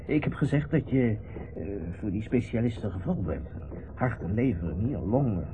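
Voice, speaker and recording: An actor playing an irritable, overstrained middle-aged factory owner in a radio play, curt, dismissive and sometimes hesitant. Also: male voice, lowish voice, expressive, moderate pace, close to an everyday voice. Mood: irritated. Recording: dull, hissy old radio play recording.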